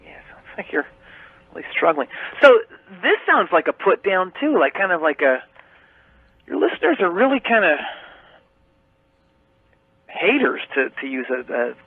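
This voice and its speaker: A man calls into a radio show and teases the host with mock-bossy needling, heard over a thin phone line on the broadcast. His high, sing-song voice has a breathy edge, moves at a moderate pace and pauses often.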